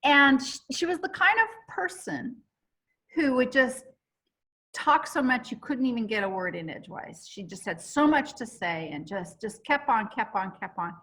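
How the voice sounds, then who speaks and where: A woman hosting a chat, telling a long story in an animated, rambling way with many restarts. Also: on the high side, moderate pace. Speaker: host.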